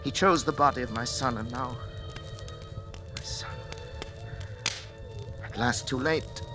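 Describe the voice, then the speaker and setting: An actor playing a guilt-ridden scientist father, narrating his crime in grave, measured tones, in a vintage radio drama. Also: medium pitch, natural voice. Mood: anguished. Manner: hushed, coaxing with his son, then solemn confessional narration. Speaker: doctor and narrator. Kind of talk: 1940s radio drama acting. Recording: old radio broadcast with music bed.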